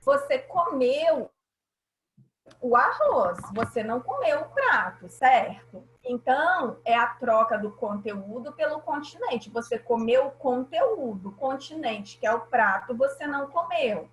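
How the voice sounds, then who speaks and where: A woman's voice: high-pitched, sing-song, unhurried, reverberant, a little hiss or hum, rough recording. A woman teacher with a Brazilian Portuguese accent, patiently explaining grammar in an online class and often checking that students follow.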